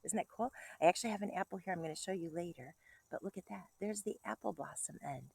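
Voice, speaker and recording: A woman kindergarten teacher reading to young children, enthusiastic and expressive, breaking off for chatty asides and questions to her listeners. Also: lowish voice, quick pace, creaky, slightly rough. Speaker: kindergarten teacher reading a picture book to pupils.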